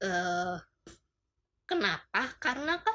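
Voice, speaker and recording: A woman speaks with a bright, sharp tone. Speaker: YouTuber. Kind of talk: storytime Q&A vlog. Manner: casual.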